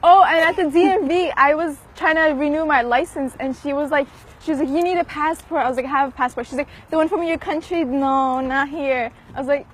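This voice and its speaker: A young woman from an Egyptian family, a lively storyteller who laughs while retelling encounters. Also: high-pitched, brisk. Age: young adult. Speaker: university student interviewee.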